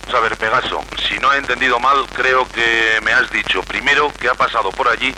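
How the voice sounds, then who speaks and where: A man gives measured, calm orders over a police radio. His voice sits at a middle pitch. Heavy noise fills the old archive transmission. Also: rough recording.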